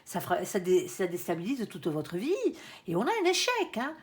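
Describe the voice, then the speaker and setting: A tarot card reader with a fairly low voice speaks at normal speed with huge swings in pitch. Her reading is casual and chatty, her sentences often tagged with "hein," and she addresses her guardian angel.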